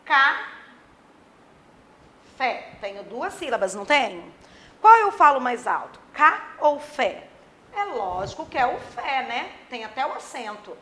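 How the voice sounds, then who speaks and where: A woman's voice: on the high side, big pitch swings, moderate pace, fairly bright tone, a little hiss or hum. A woman teaching a grammar lesson to children, acting out her pupils' questions herself. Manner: plays imagined pupils' questions.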